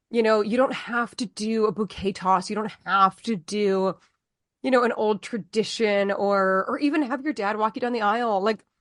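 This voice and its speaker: Against a quiet background, a woman speaks in an animated tone at a moderate pace, her fairly high pitch showing ordinary variation. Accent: American. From Boston area, Massachusetts. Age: 40s. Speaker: Instagram influencer and former tour guide. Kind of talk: casual podcast interview. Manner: animated, conversational with many fillers.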